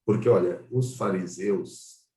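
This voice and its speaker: Brazilian male catechist, low mellow voice, didactic Bible lesson, echoey distant mic. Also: takes it slowly. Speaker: catechist leading a Bible study. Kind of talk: explanatory Bible lesson with scripture read aloud. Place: online video-call class. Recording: roomy echo, distant microphone.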